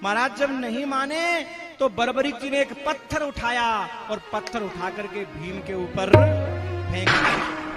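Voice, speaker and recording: High-voiced man telling a devotional tale. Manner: dramatic, calls out to listeners. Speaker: devotional storyteller preacher. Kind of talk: devotional scripture storytelling with sung verses. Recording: music playing behind.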